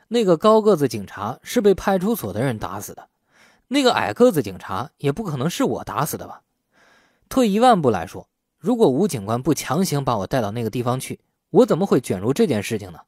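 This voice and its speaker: Man playing a cheeky, husky-voiced male suspect. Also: mid-range voice, a little mellow, dry recording, studio quality. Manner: sardonic, protesting, rhetorical questions. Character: cornered, cheeky, argumentative male suspect talking back to police. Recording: faint music bed under the voice.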